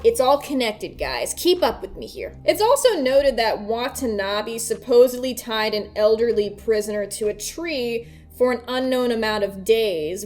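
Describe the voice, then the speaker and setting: A woman with a fairly high voice talks through theories as the host of a video essay. Her delivery is conversational and informal, with some swearing. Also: a little mellow. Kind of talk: casual commentary and theory breakdown.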